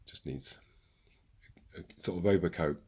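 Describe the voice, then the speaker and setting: A man's voice: low-pitched, moderate pace, a little mellow, husky. A man casually talking through progress on his model railway, chatty and joking at his own expense, recorded in a hobby room on a camera mic. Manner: chatty, self-joking, rambling asides.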